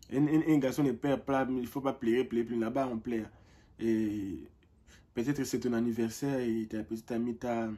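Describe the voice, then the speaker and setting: A young man telling stories in a casual vlog, animated and often repeating words while he searches for the next one. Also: mid-range voice, husky. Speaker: vlogger. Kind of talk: casual vlog talk to camera.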